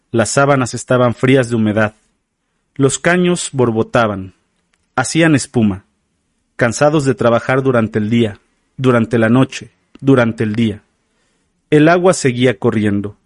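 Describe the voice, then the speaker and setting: Man, audiobook narrator, somber, measured, mid pitch, dry. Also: dry recording.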